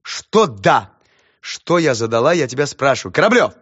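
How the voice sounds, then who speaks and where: A man reading a story aloud, voicing an exasperated female schoolteacher who scolds loudly. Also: sing-song, normal speed, slightly rough, muffled recording. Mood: impatient. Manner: shrill, scolding, loud.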